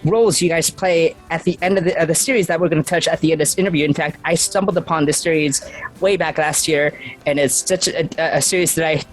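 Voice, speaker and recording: A man's voice: fairly high pitch, steady tone, fast talker, faint music behind, low-quality recording. A man hosting an interview, asking questions eagerly and stumbling over his words. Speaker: interview host.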